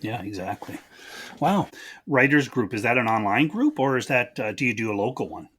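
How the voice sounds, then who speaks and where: Husky male podcast host, lively intonation. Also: mid-range voice, normal speed. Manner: affirming, short interjections and follow-up questions. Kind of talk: casual interview chat.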